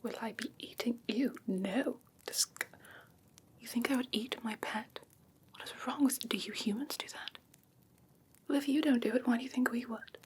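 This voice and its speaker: A woman playing a curious, haughty fae creature in an ASMR fantasy roleplay, whispering softly in a hesitant, musing, gently condescending way. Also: fairly high pitch, normal speed, slight background noise, close to an everyday voice. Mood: mildly offended. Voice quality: soft breathy whisper.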